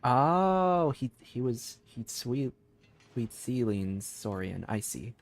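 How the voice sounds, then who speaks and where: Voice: mid-range voice, sing-song, slow. A game streamer giving casual live commentary, giggly, rambling and enthusiastic.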